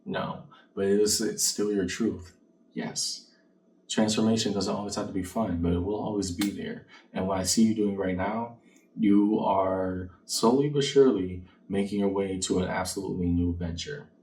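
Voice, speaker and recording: With a fairly low, darkish voice, steady in tone and at normal speed, a man gives a fortune-teller card reading as a tarot reader and channel host. He's conversational and reflective, addressing the listener directly through rhetorical questions. The distant mic catches faint background noise.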